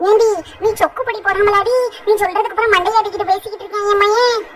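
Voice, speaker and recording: A voice actor doing a shrill, scolding village mother-in-law. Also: steady tone, fast talker, a bit bright. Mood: accusing. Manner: rural village speech with scornful, wailing outbursts. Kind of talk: cartoon voice acting.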